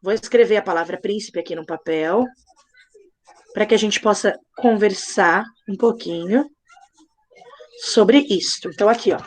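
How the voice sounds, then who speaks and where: A young woman teaching a live online class to children, patient and playful, slowly spelling things out. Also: mid-range voice. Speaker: primary school teacher.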